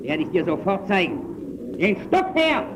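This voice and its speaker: A man's voice: sits high, sing-song, moderate pace. An actor playing a brutal, commanding man in an old radio play, barking his words with theatrical urgency. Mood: harsh, threatening. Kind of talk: 1920s German radio play acting. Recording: very noisy old archive radio recording.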